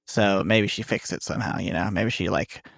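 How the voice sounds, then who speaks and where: A man's voice: low voice, moderate pace, creaky, dry recording, studio quality. A man co-hosting a podcast, talking in an offhand, joking way in casual chat. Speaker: podcast co-host and player.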